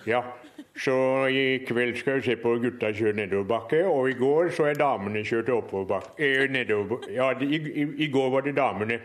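A man's voice: medium pitch, natural voice. A man voicing a cheerful, childlike blue male puppet creature who muddles his words, chatting as a guest on morning radio. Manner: slow, muddled, cheerful rambling. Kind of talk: comedic radio guest interview.

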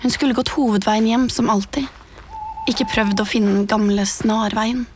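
A woman narrating a scripted horror story in a hushed, suspenseful way, often dropping to a whisper. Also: fairly high pitch, steady tone, slight background noise. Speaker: podcast narrator. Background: music.

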